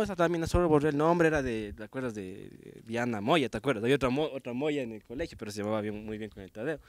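A man's voice: on the high side, darkish tone, no room sound. A young man, a podcast guest telling school stories in a loose, rambling way with frequent laughs. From Ecuador. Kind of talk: casual comedy podcast chat.

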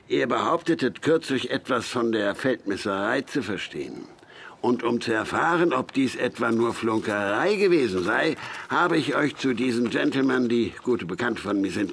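A man's voice: medium pitch, gravelly, slight background noise. An actor playing a jovial old frontier gunsmith, hearty and teasing with his young friend. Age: older. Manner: hearty, teasing, rising excitedly. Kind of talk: radio play acting.

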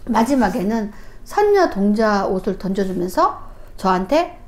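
A woman shaman telling her story in an interview, animated and acting out the voices she quotes. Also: mid-range voice, unhurried.

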